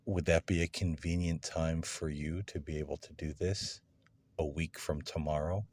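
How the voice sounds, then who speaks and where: A man speaking as a paranormal investigator, addressing unseen beings with measured questions and deliberate pauses between phrases. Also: rumbling low, fairly even intonation, darkish tone, dry recording. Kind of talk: addressing spirits aloud in a recorded session, questioning.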